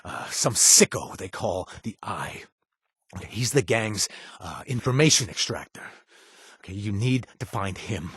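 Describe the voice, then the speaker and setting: A man's voice: fairly low pitch, animated, unhurried, a bit bright, breathy edge, dry recording, studio quality, heavily acted. An actor playing a nervous, wisecracking male raider companion in a video game, who rambles, jokes and corrects himself mid-sentence. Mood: shaken. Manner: rambling, self-correcting, jokey. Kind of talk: game character voice lines.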